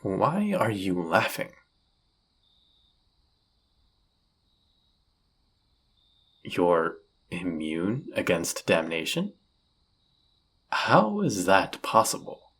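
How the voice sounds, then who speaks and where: A man playing a suave, seductive demon in a flirty audio roleplay, husky and gravelly, with a teasing, theatrical, often murmured delivery. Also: low-pitched, huge pitch swings, slow pace, a bit bright, full character voice. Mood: puzzled, bitter. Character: suave seductive male demon, smug and dangerous.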